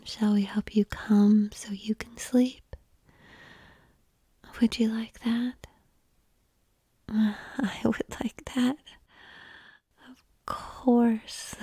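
A woman whispering softly and calmly in an ASMR roleplay, coaxing the listener through slow breathing, close to the microphone. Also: a little high, husky, no echo. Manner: soft unvoiced whispering; calm, coaxing breathing guidance.

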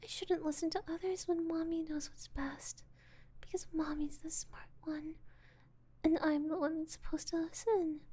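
A woman in a whispered audio roleplay, voicing a possessive, controlling woman who calls herself Mommy and talks slowly, coaxing and condescending. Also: high voice. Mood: scolding. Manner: soft breathy whispering, slow and coaxing; condescending, teasing.

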